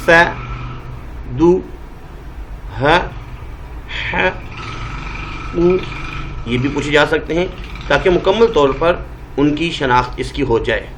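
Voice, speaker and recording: A man from Pakistan with a Pakistani Urdu accent, teaching Quran reading and sounding out letters and vowels slowly one by one. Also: on the high side, a little hiss or hum, low-quality recording. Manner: slow, drawn-out letter-by-letter sounding. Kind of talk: spelling-out recitation lesson.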